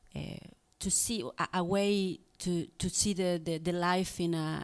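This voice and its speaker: A woman speaks with a Spanish accent at a fairly low pitch. Her pace is fairly slow and her pitch variation ordinary. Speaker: poet. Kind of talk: panel discussion. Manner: halting.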